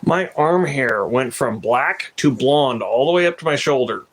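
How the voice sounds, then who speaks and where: A man's voice: mid-range voice, animated, a little slow, a little hiss or hum. A young man from Oregon hosting a casual family chat, rambling with fillers and frequent laughter. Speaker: host.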